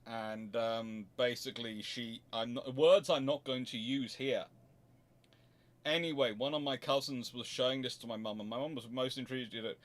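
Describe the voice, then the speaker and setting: A man hosting a casual livestream, chatting in a halting, digressive way with wry, mildly sarcastic asides. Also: mid-range voice, steady tone. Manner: halting, digressive, self-interrupting. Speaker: livestream host answering chat. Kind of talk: casual rambling livestream chat.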